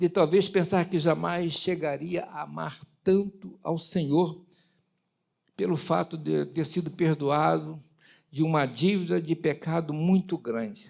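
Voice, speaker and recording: The recording is very clean, with a silent background. A man with a fairly high pitch and ordinary pitch variation speaks at a very slow pace. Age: 70s. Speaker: pastor. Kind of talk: sermon. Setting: church.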